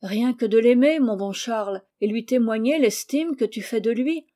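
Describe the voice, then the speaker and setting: A woman reading as a gentle, wise, affectionate young woman in a storybook, tender and measured. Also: on the high side, close to an everyday voice. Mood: affectionate, earnest.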